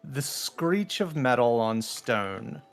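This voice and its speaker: A man narrating a roleplay event as game master, describing the scene slowly and ominously. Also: medium pitch, animated, gravelly, faint music behind.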